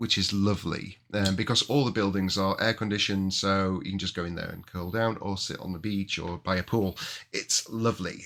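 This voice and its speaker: On a very clean recording with a silent background, a bright, sharp tone moves at a moderate pace with ordinary pitch variation. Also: man. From Yorkshire, northern England. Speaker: podcast host. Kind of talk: casual chat. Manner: animated.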